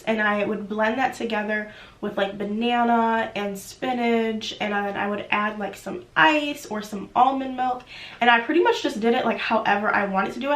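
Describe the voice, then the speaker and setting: A woman's voice: mid-range voice, fairly bright tone. Young woman, nasal from a cold, chatty vlogger, filler-heavy, echoey room. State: sick, nasal. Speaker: YouTube vlogger. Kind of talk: chatty vlog talk.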